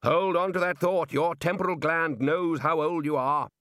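A man's voice: fairly high pitch, steady tone, normal speed, fairly bright tone, no room sound, studio quality, voice pushed up. A man voicing a hearty older chief wizard, cheerful, blunt and unflustered, in a fantasy storybook reading.

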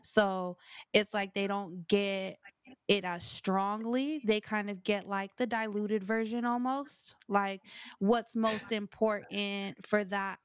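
Flat-voiced young woman in a chat. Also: mid-range voice, slow, smooth, no room sound. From United States. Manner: rambling, thinks aloud with many fillers. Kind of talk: casual discussion.

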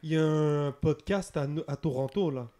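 Higher-voiced Quebec French man, casual chat. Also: moderate pace, warm tone.

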